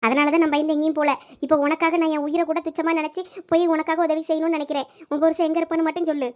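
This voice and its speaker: A woman's voice: high-pitched, little pitch movement, rapid-fire, darkish tone, close to an everyday voice. A woman doing a kindly old servant woman. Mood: resolute. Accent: Thoothukudi Tamil. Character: older female servant, kind and protective.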